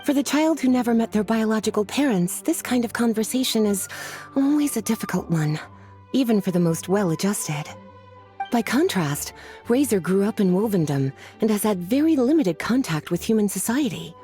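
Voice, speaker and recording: A woman voicing a relaxed adult woman mage who teases fondly, in a video game. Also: medium pitch, moderate pace, lightly acted. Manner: languid, affectionately teasing. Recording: game audio with faint music.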